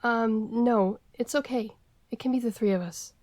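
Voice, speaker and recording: A woman's voice: a little high, moderate pace, a little mellow, dry recording, clean studio sound, lightly acted. A woman playing a grieving, defensive female werewolf in a fan audio drama, speaking in a hesitant, guarded way. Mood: wary.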